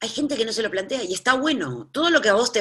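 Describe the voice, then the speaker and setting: A woman with an Argentine accent speaks with very wide pitch swings. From Argentina. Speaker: advertising creative. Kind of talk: casual chat. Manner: halting.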